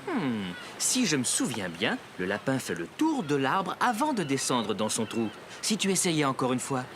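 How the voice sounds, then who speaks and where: A man voicing a relaxed, helpful father in a cartoon, reassuring in manner. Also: mid-range voice, normal speed, faint music behind. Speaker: cartoon character. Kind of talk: animated series dubbing.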